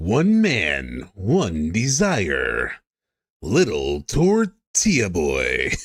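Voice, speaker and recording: In a put-on character voice, a man speaks very slowly at a fairly low pitch in a dramatic tone, on a very clean recording with a silent background. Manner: dramatic announcing.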